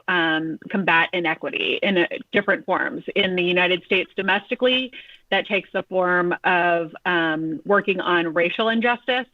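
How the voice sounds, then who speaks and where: A woman introducing her foundation and nonprofit on a panel, measured, with frequent "um" pauses. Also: on the low side, no echo. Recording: dry muffled lo-fi audio.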